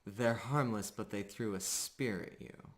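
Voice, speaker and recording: A man voicing a composed, stern female night elf commander in a fantasy tabletop game, questioning in a measured, clipped way. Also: on the low side, lightly acted. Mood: skeptical.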